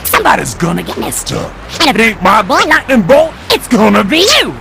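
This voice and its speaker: Big mean derby bus lady, folksy n brash, gravelly, voice changer on, music blaring. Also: big pitch swings, a little fast, exaggerated voice. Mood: threatening. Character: rowdy, menacing female demolition derby school bus. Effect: pitch-shifting voice changer. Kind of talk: animated game cutscene acting.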